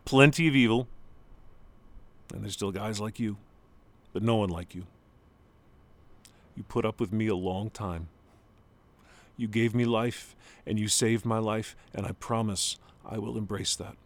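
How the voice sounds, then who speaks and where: A man playing a grieving adult son talking to his father in an intimate, halting monologue whose voice sometimes breaks high. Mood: tender. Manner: halting, restarts, voice breaking into high strained pitch.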